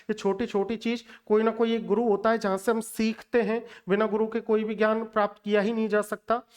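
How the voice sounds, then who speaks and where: A man's voice: high voice, flat delivery, fairly quick, smooth. A male teacher gives a spoken language lesson aimed at exam preparation. He lectures emphatically and speaks straight to his students. He drills pronunciations by saying the same word several times in a row. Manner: emphatic, drills words by repeating them; lecturing, addresses viewers directly. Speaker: Hindi teacher.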